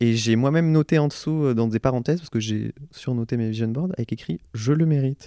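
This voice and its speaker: Fairly quick, medium-pitched speech from a man in a dark, mellow tone, with hardly any pauses, in a very clean, dry, close recording free of echo and a silent background. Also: ordinary pitch variation. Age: 20s. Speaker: friend of host. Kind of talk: casual chat.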